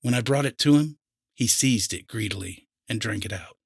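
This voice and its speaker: A man's voice: mid-range voice, normal speed, gravelly, breathy edge, no echo, clean studio sound. A man reading fiction aloud as a scripted audiobook narrator.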